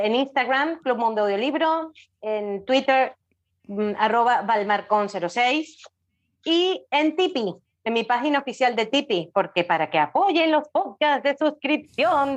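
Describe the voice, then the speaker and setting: Woman podcast guest, highish voice, chatty explainer always tossing in little tag questions, bit muffled lo-fi audio. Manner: talkative, checks in with frequent tag questions. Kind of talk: casual explanatory talk.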